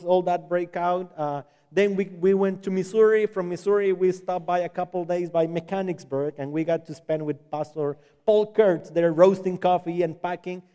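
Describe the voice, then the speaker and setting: A man in his thirties from Nicaragua, a Spanish native speaker with a Spanish accent, preaching in halting English with frequent restarts. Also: sits high, dark tone, clear, resonant tone. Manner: halting, self-correcting second-language English. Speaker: visiting missionary preacher. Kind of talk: sermon with personal introduction. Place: church sanctuary. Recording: large hall with long reverb.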